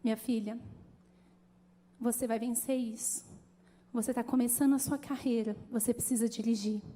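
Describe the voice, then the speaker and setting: A woman voicing a calm, firm father who steadily reassures his daughter. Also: a little high, moderate pace, voice pushed down, lightly acted. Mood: reassuring. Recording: long church hall reverb.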